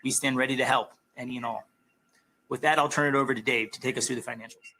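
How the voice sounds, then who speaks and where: A bright, crisp-edged man's voice at a middle pitch presents prepared company remarks. He sounds like a formal executive on an investor call, forceful and emphatic in his phrasing. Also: steady tone, fast, low-quality recording.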